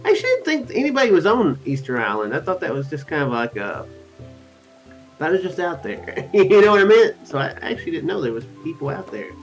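A man's voice: fairly high pitch, huge pitch swings, fairly quick. A man in his thirties reading game text aloud and adding rambling, casual commentary as a let's play host. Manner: rambling, musing asides. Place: small room at home. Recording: dull lo-fi audio with music behind. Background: game music.

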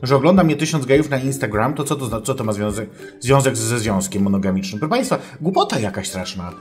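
Man as crude, self-important female sex doctor; mock-academic advice monologue, formal and foul-mouthed, mid-pitched. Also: big pitch swings, fast, faint music behind, natural voice. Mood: indignant. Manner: mock-scholarly lecturing, keeps addressing the audience formally, swears. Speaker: advice-show host. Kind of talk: comic character monologue.

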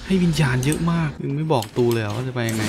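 A man's voice: medium pitch, racing, very noisy. A man hosting a gaming video with casual, joking commentary, exclaiming and talking to himself as he plays. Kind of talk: casual let's play commentary. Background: game music and effects.

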